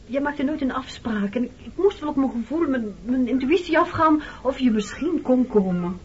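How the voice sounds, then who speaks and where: A woman's voice: high-pitched, expressive, normal speed, a little mellow, slight background noise. An actress playing a weary, defensive woman in her thirties, haunted by her wartime past, in a radio play. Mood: guarded. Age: 30s. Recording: dull old radio play recording.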